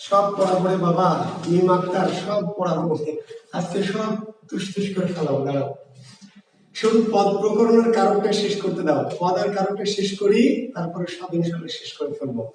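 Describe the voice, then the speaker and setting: A man's voice: sits high, fairly quick, a little mellow. A man teaching a grammar lecture online, explaining patiently and repeating key words for his students. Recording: roomy echo with long reverb, voice far from the mic.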